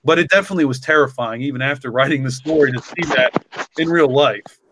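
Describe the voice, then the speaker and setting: A man's voice: medium pitch, fast talker, background noise. A man talking casually and reflectively, rambling with lots of "like" and "you know". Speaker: podcast co-creator and story author.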